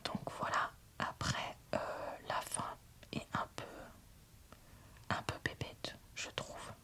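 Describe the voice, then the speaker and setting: A woman whispering an ASMR book review in a soft, breathy, informal and slightly hesitant way. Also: slow.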